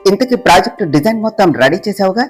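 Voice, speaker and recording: A man's voice: high-pitched, animated, rapid-fire, soft background music. A woman voicing a stern, short-tempered young male boss who talks in curt, scolding lines. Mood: calm, businesslike.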